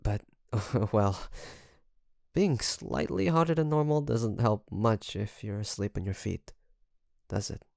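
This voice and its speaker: A man acts out a young male best friend in an intimate roleplay, caring but nervous. His voice is gravelly at the edges and very dry and close. He speaks slowly and haltingly, as if to one listener. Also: fairly low pitch, no echo. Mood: caring, teasing. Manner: hesitant, halting, soft nervous chuckles. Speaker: voice actor.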